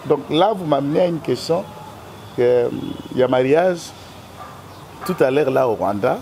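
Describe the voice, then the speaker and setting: A man's voice: mid-range voice, lively intonation, moderate pace, warm tone, slight background noise. A man with a Congolese French accent, a guest in a political interview, speaking in an emphatic, argumentative way.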